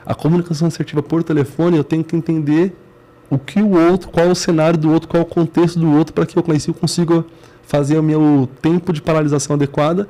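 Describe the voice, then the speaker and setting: A guest on an interview, the CEO of a business management company talks with a Brazilian accent and a dark tone, his pitch on the high side. He's a fast talker with a level tone, earnestly explaining his points in short, stacked phrases.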